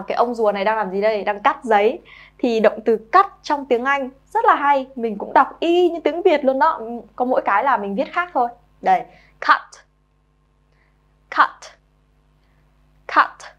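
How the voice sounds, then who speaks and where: A young woman with a fairly high voice gives a vocabulary lesson to young children. She coaxes her pupils along and says each new word slowly two or three times so they can copy it. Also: highs cut off. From Vietnam. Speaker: English teacher.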